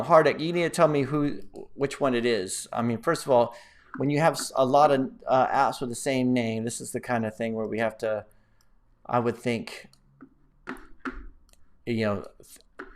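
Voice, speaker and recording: A man hosting a casual live stream, chatting in a rambling, playful, animated way as he reads out and answers viewer comments. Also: medium pitch. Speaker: live-stream host, app developer.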